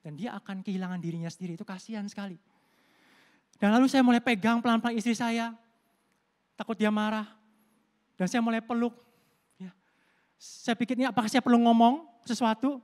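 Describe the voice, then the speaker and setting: A man's voice: high voice, brisk, long pauses. A middle-aged man preaching a Sunday sermon at a church service. He talks in a conversational, storytelling way, addresses the congregation directly and slips English words into his speech. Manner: conversational preaching, addresses listeners as "saudara", tells personal stories. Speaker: pastor.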